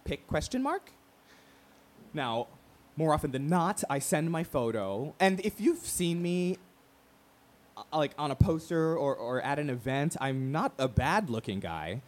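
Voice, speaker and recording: An actor playing a brash, wounded, proud gay radio talk show host in an emphatic, profane, theatrical monologue. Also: male voice, a little high, sing-song, unhurried. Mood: wry, rambling.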